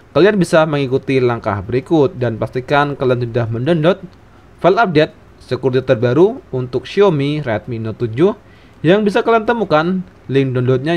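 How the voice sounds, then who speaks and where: A man reading a step-by-step phone tutorial as a scripted voice-over, in a steady instructional way. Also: medium pitch. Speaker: tech tutorial narrator. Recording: voice-over with faint background music.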